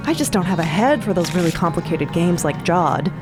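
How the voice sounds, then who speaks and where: A woman's voice: on the low side, lively intonation, a little fast, natural voice. A woman voicing an eager, slightly bewildered and agreeable young-hearted newcomer in audio fiction. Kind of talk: audio fiction character dialogue. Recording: music bed behind voice.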